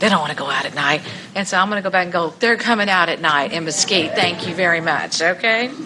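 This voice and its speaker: Very fast talk from a woman with hardly any pauses, fairly low in pitch with ordinary pitch variation, over noticeable background noise. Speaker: social services agency staffer. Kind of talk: public presentation. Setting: town hall meeting with audience. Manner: loud, projecting.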